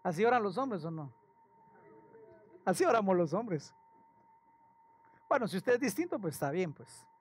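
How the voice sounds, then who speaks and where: A male pastor, preaching a sermon in a lively storytelling way and asking the congregation questions. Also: sits high, normal speed, pauses often, husky. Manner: animated storytelling with acted quotes and questions to the congregation.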